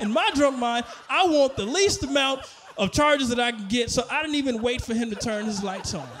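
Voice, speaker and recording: A man shouting in an extremely high, animated voice, fairly quick and with lively intonation, over light background noise. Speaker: stand-up comedian. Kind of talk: stand-up comedy set, acting out a drunken citizen's-arrest story. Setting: stage with live audience. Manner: animated, escalating into mock-yelling while acting out the scene; laughs at his own punchlines mid-story. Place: stage. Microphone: handheld.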